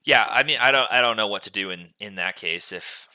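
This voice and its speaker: Guy hosting a gaming podcast, kinda low but really sharp bright voice, rambles on explaining stuff. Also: a little fast, clear, resonant tone. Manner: casual swearing. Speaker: podcast host. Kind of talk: casual gaming podcast chat.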